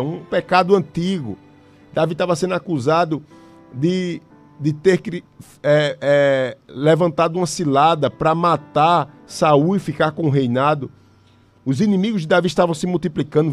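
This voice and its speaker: A man preaching a fervent radio sermon as pastor, calling out hallelujahs again and again. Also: fairly high pitch.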